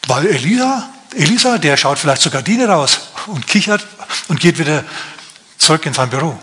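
A male pastor preaching a lively storytelling sermon, dramatizing the story and addressing listeners directly. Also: a little high, normal speed.

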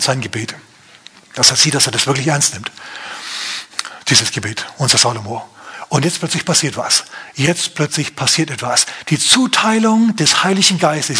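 A man's voice: fairly high pitch, sharp tone, husky. A middle-aged man preaching a sermon at a church service, telling a story with animation and acting out the characters' lines. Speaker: pastor.

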